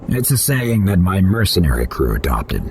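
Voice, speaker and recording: Deep-voiced terse alien mercenary. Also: male voice, sing-song, moderate pace, a little mellow, slight background noise. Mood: stern. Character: gruff alien fish-folk mercenary, proud, hazy memory. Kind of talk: audio drama acting.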